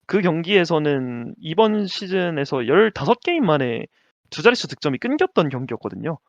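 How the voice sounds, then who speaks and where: Casting: animated male co-host, higher voice, dull dry lo-fi sound. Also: moderate pace, no room sound. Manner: lively, laughs often, stumbles over names. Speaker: podcast co-host. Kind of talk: casual basketball chat.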